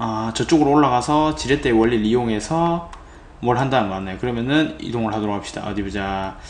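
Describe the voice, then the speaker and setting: A medium-pitched man speaks with an animated tone and ordinary pitch variation at a moderate pace, with audible room echo and noticeable background noise. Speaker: game streamer. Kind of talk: live gameplay commentary. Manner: loud.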